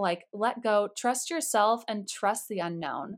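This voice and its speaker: With a normal speaking voice at medium pitch, a woman talks at a moderate pace with ordinary pitch variation on a very clean recording with a silent background. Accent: General American. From Colorado. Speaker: media expert and former red carpet reporter. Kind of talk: interview.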